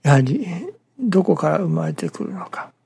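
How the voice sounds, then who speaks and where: A minister giving a morning sermon in a halting, measured way, breaking phrases with pauses and dropping some words to a near-whisper. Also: mid-range voice, huge pitch swings, gravelly, dark tone, breathy edge.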